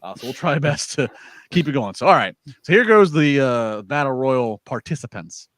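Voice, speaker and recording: A man's voice: mid-range voice, lively intonation, normal speed, fairly bright tone, no echo, clean studio sound. A man hosting a casual wrestling podcast, rambling through a show recap with many fillers and restarts. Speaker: podcast host.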